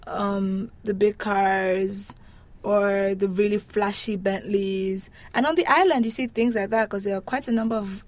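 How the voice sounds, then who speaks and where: Woman, medium pitch, casual interview answers, wry and informal. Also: a little mellow. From Nigeria. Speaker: interviewee describing her home country.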